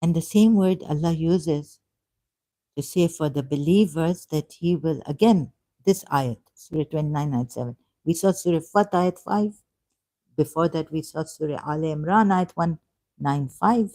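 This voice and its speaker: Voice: medium pitch, measured pace, warm tone. A vlogger talking in an unscripted monologue about religious texts, rambling and hesitant, often stopping and restarting and asking rhetorical questions.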